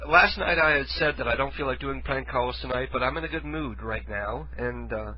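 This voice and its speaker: Congested from a head cold, a man runs an internet radio show from his living room, speaking loosely and self-deprecatingly in a rambling monologue. His medium-pitched voice has a breathy edge and a moderate pace, picked up on a studio mic with headphones, though the audio comes across dull.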